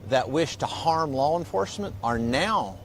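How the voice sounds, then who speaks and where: A man giving an official briefing in a halting way, restarting his sentences, heard as a worn tape copy of a played clip. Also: fairly high pitch, lively intonation, a little hiss or hum. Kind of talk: press statement.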